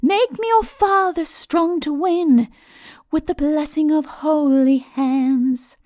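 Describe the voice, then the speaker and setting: A woman voicing an earnest, selfless young prince in a storybook ballad, chanting with drawn-out phrases. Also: sits high, a little mellow, voice pushed up. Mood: earnest, resolute. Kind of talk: slow sung ballad storytelling.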